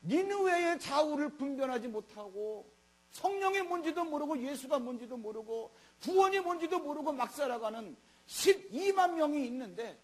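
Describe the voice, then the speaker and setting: A male preacher speaking as God, gently reasoning with and chiding his listener in everyday speech. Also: very high-pitched. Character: God, calm fatherly divine voice. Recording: mains hum.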